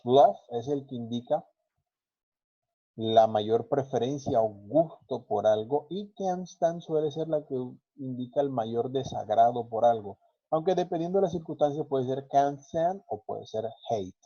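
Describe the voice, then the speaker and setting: A man teaches English grammar in a patient, explanatory way and slows down for each example sentence. His voice is very dark and mellow. The sound is dull and lo-fi, like an online class. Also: medium pitch.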